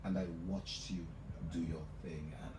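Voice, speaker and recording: A man's voice: deep voice, fairly even intonation, a little slow. A male radio host talking effusively on a live show, repeating "let me tell you" as he builds up his guest. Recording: echoey room, mic at a distance, noisy.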